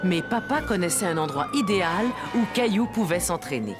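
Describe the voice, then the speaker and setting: A woman narrating a French children's cartoon as a gentle, expressive storybook teller for small children. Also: fairly low pitch, brisk, loud music behind the voice, natural voice. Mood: storytelling.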